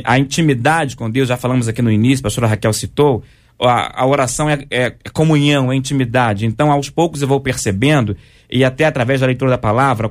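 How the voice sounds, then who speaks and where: A man, a pastor, teaching on a talk show and citing Bible verses as he explains. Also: mid-range voice. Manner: explanatory, cites scripture verses.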